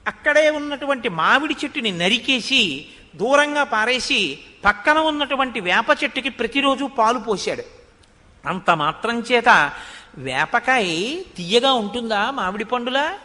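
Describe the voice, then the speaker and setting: A man preaching a devotional sermon, retelling an epic with expressive storytelling and slowly chanted verses. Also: extremely high pitch. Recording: long hall reverb.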